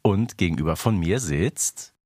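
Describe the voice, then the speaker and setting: A man's voice: low voice, lively intonation, unhurried, a little mellow, no echo, studio quality. A man from Germany co-hosting a podcast, chatting in a casual, enthusiastic and emphatic way. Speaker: podcast co-host and moderator. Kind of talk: casual unscripted podcast chat. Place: podcast studio.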